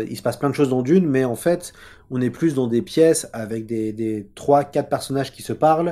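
A man speaks at a moderate pace in a medium pitch with a dark, mellow tone and ordinary pitch variation. The recording is very clean, with a silent background. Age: 30s. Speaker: podcaster and magazine editor. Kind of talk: interview.

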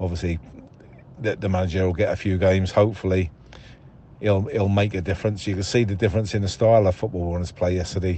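A man speaks very fast in a very deep, low voice. He is somewhat breathy, with fairly even intonation. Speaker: caller, football fan. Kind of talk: football analysis voicemail. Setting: phone voicemail.

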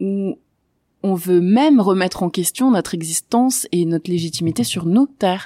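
A medium-pitched woman with a dark, mellow tone and lively intonation at a moderate pace, in a very clean recording with a silent background and a dry, close sound with no echo. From French Guiana. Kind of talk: interview.

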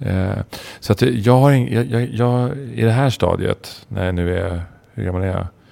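In a dark, mellow tone, a man with a fairly low pitch speaks at a fairly slow pace with lively intonation. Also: very clean recording, silent background. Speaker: podcast co-host. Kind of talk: casual chat. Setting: at home.

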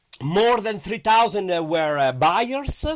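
A man with an Italian accent speaks at a high pitch, swinging very widely in pitch. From Italy. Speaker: format creator and lecturer. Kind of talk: interview, casual chat. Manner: halting, hesitant English.

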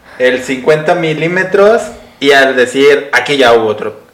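A man's fairly high voice at a fairly slow pace, with very wide pitch swings and noticeable background noise. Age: 30s. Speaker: podcast co-host. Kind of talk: casual interview.

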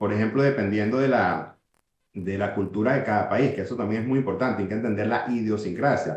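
In an unremarkable speaking voice, a man talks at a fairly quick pace with a fairly low pitch and ordinary pitch variation. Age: middle-aged. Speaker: health coach and nutrition scientist. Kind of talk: interview conversation.

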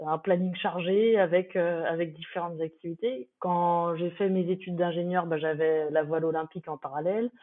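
The pitch of this woman's voice is fairly low. She talks at a fairly slow pace. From France, Nantes. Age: 30s. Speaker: sailor. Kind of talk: interview. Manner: halting, many repetitions.

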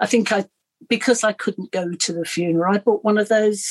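A woman's unremarkable speaking voice, fairly high-pitched and fairly quick, with a dry, close sound and no echo. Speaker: charity volunteer director. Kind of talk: casual chat.

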